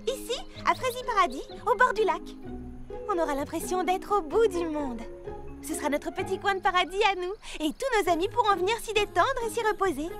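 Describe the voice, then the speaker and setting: A woman voicing a bossy, dreamy little girl with big plans in a French children's cartoon dub, emphatic and expressive. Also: very high voice, a little fast. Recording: music behind the voice. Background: cartoon music.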